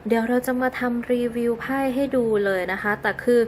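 A woman's voice: fairly high pitch, fairly even intonation, fairly quick, a little hiss or hum. Chatty woman hosting a tarot review. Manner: chatty and polite, with soft polite endings and small laughs. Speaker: tarot channel host. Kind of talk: casual tarot deck review.

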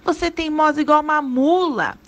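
A woman's voice: high-pitched, brisk, lo-fi sound, voice pushed up, natural voice. A woman reading a story aloud and voicing a teasing rural husband in folksy, laughing tones. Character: teasing rural husband, grown man, amused. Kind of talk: dramatic storytelling.

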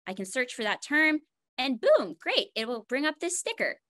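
A woman's voice: high-pitched, sing-song, moderate pace, fairly bright tone. A woman giving a cheerful, chatty live demo of a whiteboard tool over a video call. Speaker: education team presenter.

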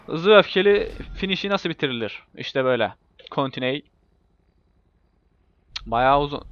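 A man commentating a racing game in a casual, excitable way, swearing and yelling when he crashes. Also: fairly high pitch, clean tone. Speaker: gameplay video host. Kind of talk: live gameplay commentary. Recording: muffled lo-fi mic with faint hiss.

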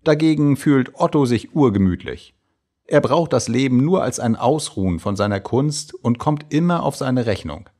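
A man giving a measured, expressive reading of old letters and diary entries. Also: medium pitch. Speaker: reader.

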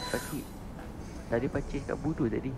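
A man's voice: mid-range voice, normal speed, creaky, darkish tone. A man talking over voice chat during a game, sulky and complaining. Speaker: teammate on voice chat. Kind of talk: casual gaming banter.

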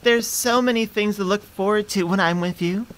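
A woman's voice: mid-range voice, moderate pace, close to an everyday voice. A woman voicing an affectionate, teasing, easily flustered young centaur girlfriend in an intimate ASMR roleplay, sweet and conversational, close on the mic. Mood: fond, teasing. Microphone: close studio microphone.

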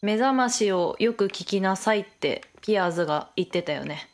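A woman's voice: medium pitch, animated, moderate pace. A young woman giving Let's Play commentary, chatting to herself as she plays, often laughing and reacting with surprise. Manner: chatty self-talk, frequent laughter and surprised exclamations. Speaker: game streamer.

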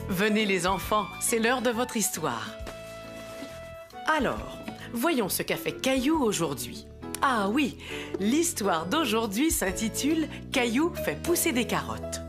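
A woman playing a kindly narrator who reads a children's story in gentle, clearly phrased storytelling. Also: mid-range voice, very animated, slow pace. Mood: inviting. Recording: music behind the voice.

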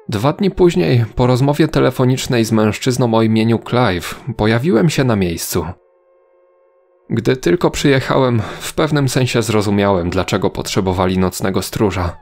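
A man reading a scripted first-person horror story as its narrator, with a creaky, gravelly voice. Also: fairly low pitch.

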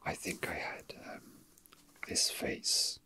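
An ASMR host muses quietly to themselves, handling small objects and keeping the whispered chat casual and slow. The mic is close, so every hushed word comes through.

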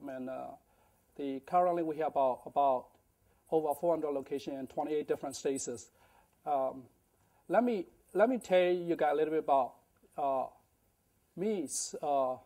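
A middle-aged man telling his life story in a halting lecture, with many fillers and restarts, on a lapel mic in a large indoor kitchen. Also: on the high side, dark tone. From Burma. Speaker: guest speaker.

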